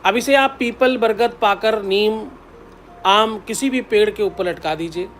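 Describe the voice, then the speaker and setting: Guy with a fairly high voice explaining puja steps like a teacher, soft music behind. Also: unhurried. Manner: instructive, repeats key steps, intones mantras. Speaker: spiritual teacher giving astrology remedies. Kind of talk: devotional advice talk.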